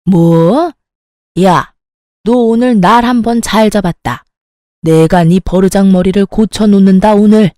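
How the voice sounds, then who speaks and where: A woman voicing a scheming, bossy older mother-in-law who scolds in a haughty, shrill way. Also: unhurried, dark tone, no echo, clean studio sound, natural voice. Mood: furious scolding.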